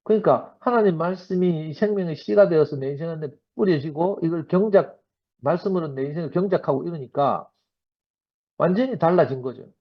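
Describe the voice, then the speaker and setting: A man in his fifties with a Gyeongsang accent gives a sermon-style testimony, slightly husky and pitched a little high. He tells his stories in a lively, anecdotal way. The recording is dull and lo-fi. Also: brisk. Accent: Gyeongsang Korean. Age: 50s. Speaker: church member giving a talk.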